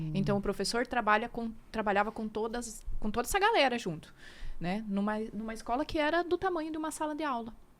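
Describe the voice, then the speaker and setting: A woman in an ordinary speaking voice talks at a fairly quick pace, her fairly high pitch carried by lively intonation. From southern Brazil, rural Paraná (São João). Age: 30s. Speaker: physiotherapist and acupuncturist. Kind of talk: podcast interview.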